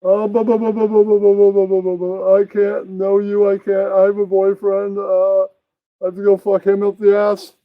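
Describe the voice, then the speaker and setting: A crude comedy puppet, voiced by a man, bickers in a high, blustering voice. It babbles nonsense and argues bluntly. The sound is dry and slightly dull. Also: monotone, normal speed, no echo. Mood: bickering. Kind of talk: improvised adult puppet comedy.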